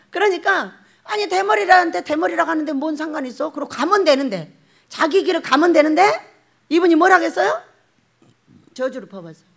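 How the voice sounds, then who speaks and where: A woman pastor, preaching a sermon and acting out the voices she quotes. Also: high-pitched. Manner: animated, acts out quoted voices, laughs often.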